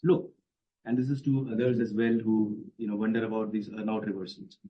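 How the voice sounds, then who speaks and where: A man's voice: lowish voice, little pitch movement, brisk. A man with an Indian accent speaking as a company executive, giving emphatic, assertive explanations to analysts. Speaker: company executive on an earnings call. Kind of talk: spontaneous explanatory answers to analysts. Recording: dull, band-limited conference call audio.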